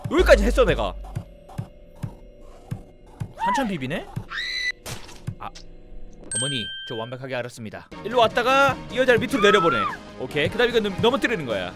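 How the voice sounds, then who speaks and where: A man giving lively let's-play commentary on a puzzle game, excitable, shouting and laughing as he talks to himself. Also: high-pitched, fairly quick, pauses often. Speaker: gaming YouTuber. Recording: game music behind the voice.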